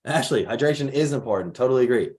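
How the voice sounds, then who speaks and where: Young male workshop host from the Chicago area, slightly raspy voice, relaxed chatty manner, on a video call. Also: medium pitch, quick pace. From Chicago area, United States. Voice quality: raspy from allergies. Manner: chatty, reads out attendees' names and places. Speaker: program founder hosting a mentor workshop. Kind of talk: casual online workshop hosting.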